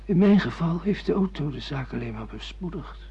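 A man's voice: a little high, animated, brisk, gravelly, dark tone, slightly rough, heavily acted. A man acting a bewildered, sardonic middle-aged amnesiac husband in a Dutch radio play, with theatrical, ironic delivery. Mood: uneasy. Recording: muffled lo-fi radio play recording.

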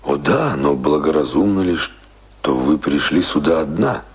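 An actor in a radio play playing a brooding, weary man in love, speaking in a bitter, theatrical, gravelly way. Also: very deep voice, animated, a little slow, exaggerated voice. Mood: guarded.

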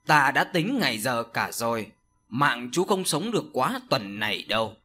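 A man voicing an older village sorcerer who speaks slowly and solemnly in an audio story. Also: mid-range voice, very animated, sharp tone, faint music behind. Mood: grave. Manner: slow, solemn, scolding. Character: older male village sorcerer, stern and grave.

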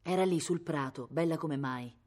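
Woman from Italy, novel read aloud, expressive, lower voice. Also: normal speed. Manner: expressive, rising with the drama. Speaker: reader. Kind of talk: literary reading aloud.

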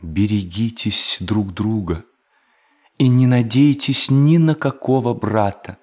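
A man's voice: lowish voice, takes it slowly. A man acting a pious, mournful, bookish member of a religious brotherhood in an audio drama, solemn and preachy. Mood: solemn, preaching.

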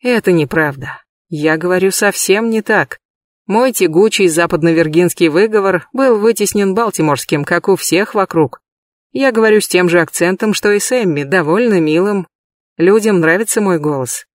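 A man giving a measured, lightly expressive first-person audiobook reading, recorded close in a booth. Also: high-pitched, dry recording. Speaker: audiobook reader.

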